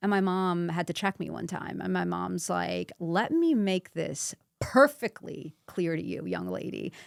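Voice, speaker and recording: In a New York accent, a woman speaks at a fairly slow pace on a very clean recording with a silent background. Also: hardly any pauses. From New York City, Astoria, Queens. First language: Croatian. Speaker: podcast guest. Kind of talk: casual chat.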